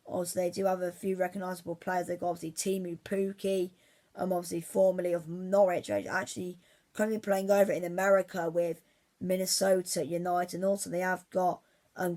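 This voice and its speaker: A man's voice: sits high, a little mellow. A man giving casual football predictions on his vlog, rambling and repeating himself with many restarts. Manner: rambling, says "obviously" constantly, many restarts; fan-like, insistent about his team. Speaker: football vlogger.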